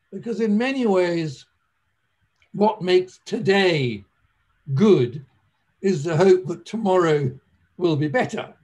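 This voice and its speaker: Here a man talks with a southern British accent at a high pitch. His pace is very slow, with lively intonation and long, frequent pauses. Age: 70s. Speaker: neurosurgeon. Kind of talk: lecture.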